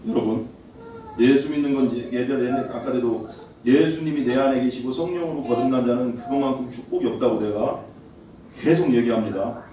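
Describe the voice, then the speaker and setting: A man's voice: mid-range voice, steady tone, a little fast, dark tone, a little hiss or hum. A man preaching a sermon as pastor, talking conversationally and putting questions to his congregation. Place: church hall. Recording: echoey hall, voice from far off.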